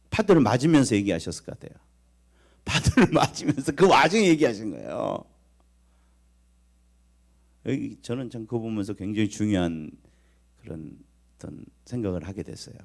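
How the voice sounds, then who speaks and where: A male pastor preaching a Sunday sermon, telling a story vividly and putting questions straight to the congregation. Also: medium pitch. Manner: animated storytelling with acted lines of Jesus; talks directly to the congregation, asking questions.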